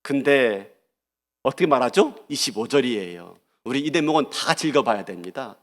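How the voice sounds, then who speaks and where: A man, a pastor, preaching a sermon in an animated way, asking rhetorical questions and acting out quotes. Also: mid-range voice, moderate pace, big-room sound. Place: church sanctuary.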